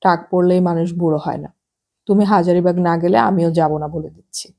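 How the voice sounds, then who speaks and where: A woman reading the part of a spirited young married woman in an audiobook, speaking in a higher, lively, scolding tone. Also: a little fast. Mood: playful.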